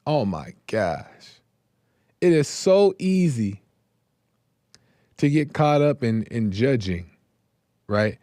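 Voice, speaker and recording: Male host of a faith call-in show, mid pitch, slow unhurried delivery, voice going hoarse, dry close sound. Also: sing-song, warm tone, dry recording. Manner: slow, reflective, with many fillers and repeated phrases. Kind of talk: casual devotional talk.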